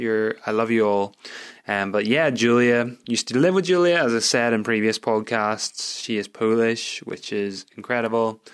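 A man with a Northern Irish accent, medium pitch and a moderate pace. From Northern Ireland. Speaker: podcast host. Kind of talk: casual solo chat. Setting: bedroom with mic. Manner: casual, chatty, humorous.

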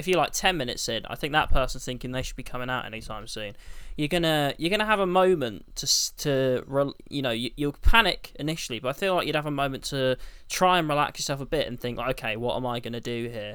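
In a British accent, a man talks at a very fast pace with a bright, sharp tone. His pitch is fairly high and his intonation lively. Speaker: podcast host. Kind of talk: casual chat.

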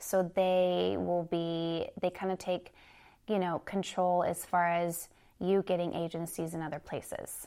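At a fairly slow pace, a dark, mellow voice with an American accent speaks with monotone, flat intonation in a very clean recording with a silent background. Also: woman, fairly low pitch for a woman. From Japan and Utah. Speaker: model and actor. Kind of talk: interview conversation.

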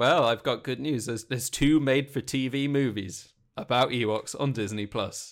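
The recording is very clean, with a silent background. A man with a plain, everyday voice speaks at medium pitch with ordinary pitch variation. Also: moderate pace. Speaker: podcast host. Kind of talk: casual chat.

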